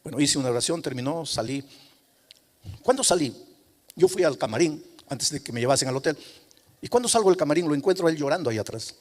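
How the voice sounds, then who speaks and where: A male pastor preaches a story-driven sermon, often sinking into hushed tones. His voice sits high for a man. The long reverb of a large hall trails every phrase. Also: animated, fast talker, long pauses.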